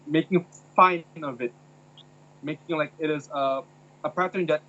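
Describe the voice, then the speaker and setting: A man's voice: a little high, fairly even intonation, normal speed, bright, forceful tone. A young man from Indonesia, a university student, talking hesitantly and searching for words in a casual discussion. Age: young adult. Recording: dull lo-fi sound.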